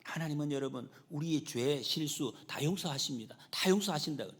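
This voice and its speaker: A male pastor preaching a sermon, lively and expressive, at times acting out a quoted figure's cries. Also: fairly high pitch, fairly quick, slightly rough. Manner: animated preaching, acts out a quoted figure's shouts. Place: church sanctuary. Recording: long church hall reverb.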